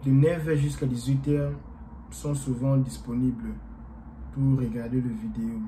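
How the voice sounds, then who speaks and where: A man whose first language is Portuguese, talking casually to his viewers as a YouTuber in a rambling, halting way with many fillers. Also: medium pitch, flat delivery, dark tone, a little hiss or hum, rough recording.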